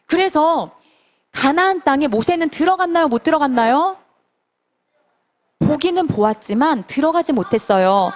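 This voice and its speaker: Lively woman teaching a children's sermon. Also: high voice. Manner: animated storytelling, questions to children. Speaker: Sunday school teacher.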